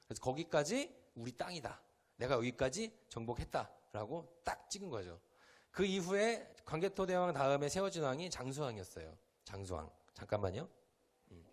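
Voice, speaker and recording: Speaking a little high, this young pastor from South Korea's Chungcheong region gives a chatty sermon in a church hall. He addresses a youth group and keeps firing questions at them.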